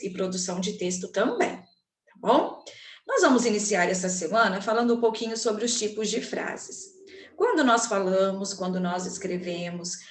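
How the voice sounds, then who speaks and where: A woman's voice: medium pitch, distant mic. Brazilian woman teacher in an echoey room. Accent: Brazilian Portuguese. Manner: slow, clear explaining with frequent check-ins to pupils. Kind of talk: recorded online grammar lesson.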